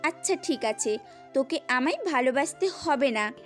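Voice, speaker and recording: A woman's voice: high-pitched, animated, normal speed, fairly bright tone. A woman playing a petulant, girlish young woman in love, the willful little sister in an audio story. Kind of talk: Bengali audio story voice acting. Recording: music under the voice.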